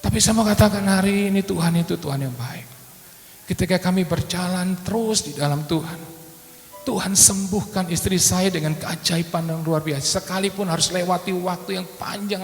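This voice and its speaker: A middle-aged male pastor giving a sermon testimony, swinging between loud exhortation and hushed, emotional confession. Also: high-pitched. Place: church sanctuary. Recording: echoey church hall with music.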